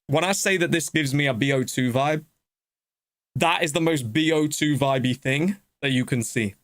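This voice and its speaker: A male streamer reacting live, excited and rambling with many restarts. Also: a little high, moderate pace, no room sound, studio quality.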